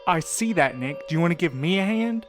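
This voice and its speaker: An actor playing a blunt, impatient courier who talks curtly and casually in an audio drama. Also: male voice, fairly high pitch, lively intonation, brisk, soft background music, natural voice. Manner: casual, curt talk. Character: blunt, impatient, sweary male courier under strain.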